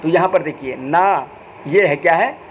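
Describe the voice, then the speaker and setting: A man's voice: on the high side, moderate pace. South Asian Urdu-accented man teaching logic. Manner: repeats terms and asks rhetorical questions to the viewers. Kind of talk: recorded online lesson. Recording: slightly dull, faint background noise.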